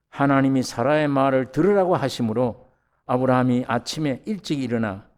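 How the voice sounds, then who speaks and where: A middle-aged man preaching a sermon as pastor, lively and animated, acting out the voices he quotes with sudden rises in pitch and volume.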